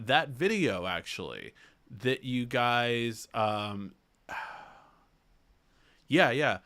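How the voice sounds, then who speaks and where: A man's voice: mid-range voice, fairly bright tone. A young man hosting a casual tech livestream, reading viewer questions aloud and answering them with lots of fillers and restarts, his nose a little stuffy. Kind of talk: casual live Q&A chat.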